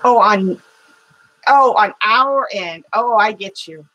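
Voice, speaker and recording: A middle-aged woman hosting a live watercolor painting stream, chatting with viewers between steps in a loud, halting way full of fillers. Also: mid-range voice, lively intonation, low-quality recording. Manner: loud voice by her own account, halting with fillers and restarts. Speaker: watercolor livestream host.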